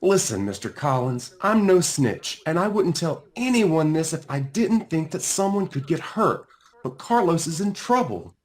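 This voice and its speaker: A man's voice: a little high, big pitch swings, unhurried, pitched above the performer's own voice. A man voicing an earnest, conscience-stricken young schoolboy in a storybook, speaking with emphatic pleading. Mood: anxious, earnest.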